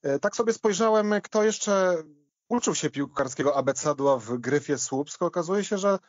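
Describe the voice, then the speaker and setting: A man's voice: a little high, animated, moderate pace, no room sound, muffled recording. A man talking off the cuff as a podcast panellist, hesitant and often padding with fillers. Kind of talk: unscripted sports discussion.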